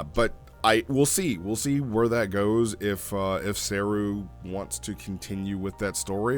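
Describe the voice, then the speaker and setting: A man with a very low-pitched voice hosts an informal review. He talks off the cuff and rambles as he thinks aloud. Soft music plays behind him. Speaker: host reviewing roleplay logs. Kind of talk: casual unscripted review commentary.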